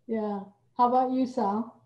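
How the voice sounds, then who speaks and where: A woman moderates an online discussion in a slow, measured way, pausing as she forms her questions. Her voice is mellow and sounds distant in a roomy, slightly muffled call recording. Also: on the high side, fairly even intonation. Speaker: host and theatre director.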